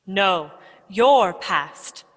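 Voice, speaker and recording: A woman voicing a solemn guiding spirit in a radio play, measured and formal, in a long reverb. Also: mid-range voice, animated, fairly bright tone, exaggerated voice. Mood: solemn, commanding. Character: Ghost of Christmas Past, solemn guiding spirit. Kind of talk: dramatic radio play acting. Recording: long cavernous reverb, faint background noise.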